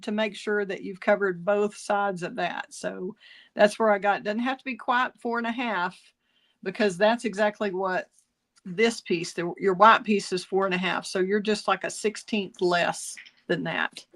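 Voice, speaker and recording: A woman with a medium-pitched, steady, slightly bright voice teaches card making in a casual tutorial at an unhurried pace. She's chatty, corrects herself, laughs at her own jokes, and coughs slightly now and then.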